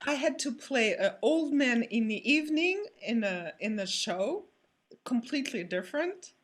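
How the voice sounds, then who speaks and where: Older woman with a lively, higher voice. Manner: animated, expressive. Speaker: actor, interview guest. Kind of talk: casual panel chat about performing.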